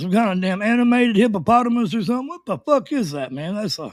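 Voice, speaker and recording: A man talks at a very fast pace with an extremely high pitch. His intonation is lively. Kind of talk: casual talk to camera. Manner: rambling, profane.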